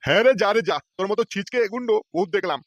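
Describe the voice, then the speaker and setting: Man playing a rapid-fire cranky old cartoon grandfather. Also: high voice, animated, a bit bright, no room sound. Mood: angry scolding. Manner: scolding, sarcastic. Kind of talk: comic cartoon dialogue.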